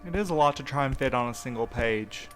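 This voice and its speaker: A man's voice: medium pitch, fast talker, soft background music, lightly acted. A man in an audio drama playing a mild-mannered, sceptical conspirator with a hesitant way of talking. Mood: doubtful.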